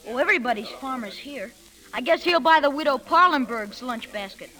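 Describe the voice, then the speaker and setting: A woman's voice: sits high, lively intonation, brisk, sharp tone, poor audio. A woman playing an eager, chatty young farm boy in an old radio drama.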